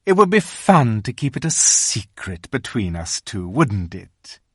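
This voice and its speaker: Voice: mid-range voice, big pitch swings, a little slow, slightly rough, no echo, clean studio sound. A reader voicing a cunning, imperious witch queen who coaxes and commands in a storybook reading. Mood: coaxing. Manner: coaxing, commanding. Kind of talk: audiobook reading.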